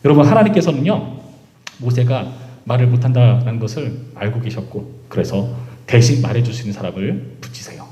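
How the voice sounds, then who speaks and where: A man preaching to a church youth group, his tone dark and relaxed. He keeps speaking directly to his listeners and acts out the figures in the passage. The sound is roomy, full of church echo. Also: mid-range voice, brisk. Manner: addresses listeners often, acts out voices of God and Moses. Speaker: pastor. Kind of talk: youth service sermon. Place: church sanctuary.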